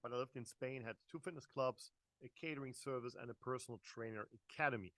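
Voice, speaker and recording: A man's voice: mid-range voice, fast, fairly bright tone, no room sound. A man in his forties with a German accent, giving a chatty live online business presentation, talking straight to his audience with many fillers and restarts. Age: 40s. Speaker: network marketing presenter.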